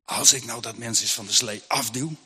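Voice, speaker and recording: A man's voice: very high voice, lively intonation, normal speed, bright, forceful tone, husky, big-room sound, exaggerated voice. A man voicing a desperate, guilt-torn farmer who prays and pleads aloud in a story. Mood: anguished.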